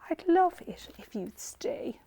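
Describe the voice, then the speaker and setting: A woman voicing a shy, lonely, gentle hairy yeti in a picture-book read-aloud. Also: very high voice, big pitch swings, slow pace, creaky, pitched above the performer's own voice, exaggerated voice. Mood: pleading.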